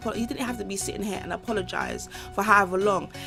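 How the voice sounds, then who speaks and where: Music plays in the background as a woman talks at a very fast pace. Her pitch is medium, with ordinary pitch variation. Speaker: mental health vlogger. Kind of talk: casual talk to camera. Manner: stuttering, halting.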